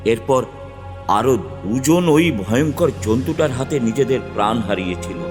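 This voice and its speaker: A man narrates a village horror tale as the guru at its center, building tension as he tells it. His voice sits at a middle pitch. Music plays clearly underneath. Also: lively intonation, measured pace. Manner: dramatic storytelling.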